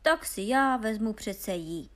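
A woman reading aloud and voicing a foolish, cheerful young peasant lad who boasts loudly. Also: mid-range voice, lively intonation, natural voice. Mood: boisterous. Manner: boastful, loud and carefree.

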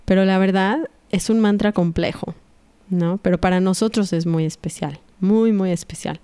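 Mexican woman in her 30s, warm mellow voice, chatty and animated, keeps asking her listeners "right?". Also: medium pitch, normal speed, smooth. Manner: animated, confiding, often asks "right?". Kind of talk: casual spiritual storytelling to an audience.

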